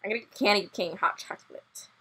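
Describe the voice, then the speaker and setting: A female gaming host with a fast, bright, forceful mid-range voice and a breathy edge chats casually over a game video. She keeps playfully teasing her co-player as she comments.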